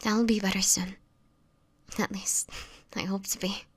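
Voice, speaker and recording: A woman acts out a sickly, world-weary vampire woman for an intimate audio drama. She speaks at a very unhurried pace, hushed and breathy, with slightly formal old-fashioned wording. Her tone is gentle and protective, and the sound is dry and close. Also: medium pitch, little pitch movement, dry recording. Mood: frail, resigned. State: sickly, frail, with coughs.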